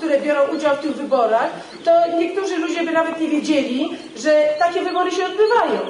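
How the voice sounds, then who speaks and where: Against light background noise and audible room echo, a woman speaks at a high pitch and a fairly quick pace, with ordinary pitch variation. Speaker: politician addressing public meeting. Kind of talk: political speech. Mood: critical, combative. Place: hall. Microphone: podium.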